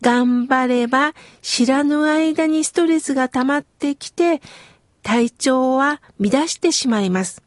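A middle-aged woman from Kitakyushu giving gentle, slow, explanatory advice in a scripted talk. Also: high voice, no echo, clean studio sound. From Kitakyushu, Japan.

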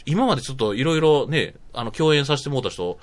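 A man's voice: medium pitch, animated, brisk. A man chatting as a guest on a radio show, laughing often and using many fillers. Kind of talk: casual radio chat.

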